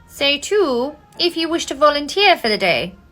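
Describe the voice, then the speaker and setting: A woman puts on a robotic character voice, high-pitched with very wide pitch swings, at a moderate pace, with faint music in the background. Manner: mechanical.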